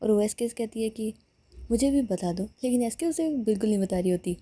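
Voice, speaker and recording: A woman's voice: fairly high pitch, fairly quick, dark tone. A woman narrating a romance serial in a conversational storytelling manner.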